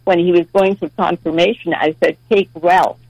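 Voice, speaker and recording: A woman's voice: fairly low pitch, fairly even intonation, vocal fry, a little mellow, no room sound, poor audio. Ninety-year-old woman calling in. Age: 90s. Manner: halting, repeats words, chuckles often. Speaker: caller. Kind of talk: phone-in chat.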